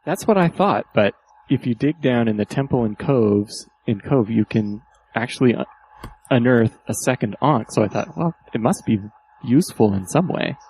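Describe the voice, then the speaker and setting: A man's voice: medium pitch, expressive, normal speed, darkish tone, breathy edge. A man chatting as a panelist in a casual podcast discussion. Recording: slightly noisy amateur podcast audio.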